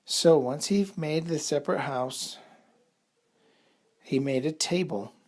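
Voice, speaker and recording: A man improvising a bedtime story for children, in an unhurried, halting way with a slightly husky, breathy voice. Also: a little high, darkish tone.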